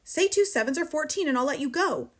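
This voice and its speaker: A woman's voice: high-pitched, sing-song, a little fast, pitched above the performer's own voice. A woman voicing a huge, cruel headmistress who barks, snorts and thunders with sarcasm. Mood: bellowing. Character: huge tyrannical female headmistress, cruel, bullying.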